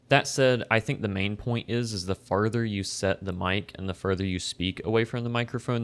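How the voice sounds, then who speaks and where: A man with a somewhat low voice talks through a product review from his home desk. He is easygoing and conversational, often downplaying his own know-how. He sits close to the microphone in a small corner setup. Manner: relaxed, conversational, self-deprecating. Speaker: tech reviewer. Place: home desk in a corner facing two walls. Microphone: close condenser desk mic.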